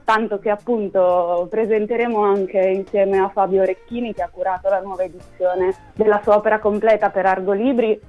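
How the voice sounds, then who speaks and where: A woman's voice: mid-range voice, steady tone, fairly quick, hardly any pauses, faint music behind. Woman guest explaining her theater project, thoughtful, slightly muffled sound. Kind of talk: radio interview.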